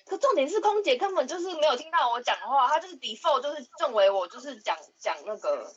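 Quick, high-voiced woman. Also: sing-song. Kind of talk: casual group chat. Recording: dull, noisy online call with clicks.

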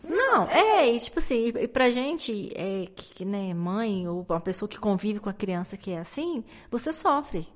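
A woman with a Brazilian Portuguese accent, a podcast guest, telling her story as a mother with many pauses, restarts and tag questions. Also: medium pitch, big pitch swings. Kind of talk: personal storytelling in a conversation. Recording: dull lo-fi recording.

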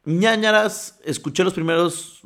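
A man's voice: sits high, a little slow, fairly bright tone. A man hosting a podcast in casual chat, reading listener stories aloud, often stumbling and wandering off into his own comments. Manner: digressive, stumbles while reading and comments as he goes. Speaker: podcast host.

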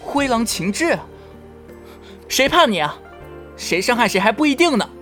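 A man's voice: very high voice, very animated, moderate pace, bright, forceful tone, faint music behind, full character voice. A man playing a stubborn, sensitive young male white fox spirit in an ancient-China audio drama. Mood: startled, defiant.

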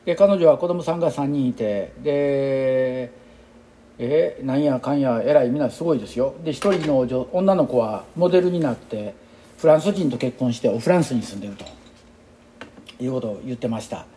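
A man's voice: mid-range voice, expressive, normal speed, dark tone, a little hiss or hum. A man in his sixties with a Kansai accent, an exercise instructor talking in a rambling, chatty and reflective casual monologue. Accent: Kansai Japanese. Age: 60s.

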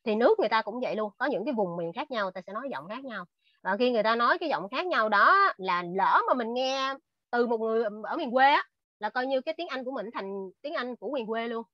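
A woman's voice: fairly high pitch, lively intonation, quick pace, no room sound. A woman shares advice earnestly on a video call, restarting her sentences often. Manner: earnest, with many fillers and restarts. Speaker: invited speaker. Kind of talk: casual talk on a video call. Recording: dull lo-fi video call audio.

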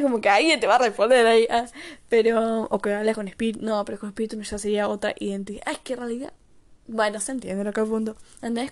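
Young woman, Rioplatense accent, slightly high voice, rambling casual monologue, thinking aloud with lots of fillers. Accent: Rioplatense Spanish. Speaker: vlogger.

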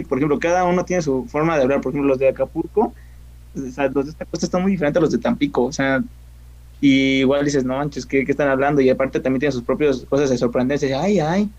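A man chatting as a podcast guest, telling animated stories. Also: mid-range voice, fast talker, highs cut off. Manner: animated storyteller who imitates other accents. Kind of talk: casual chat.

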